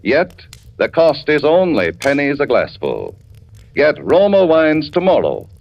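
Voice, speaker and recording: A man reading a 1940s radio commercial with a smooth, persuasive delivery. His intonation rises and falls with great animation as he sells. The recording sounds dull and muffled like an old broadcast. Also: on the high side, wildly swooping pitch, a little slow. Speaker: commercial announcer.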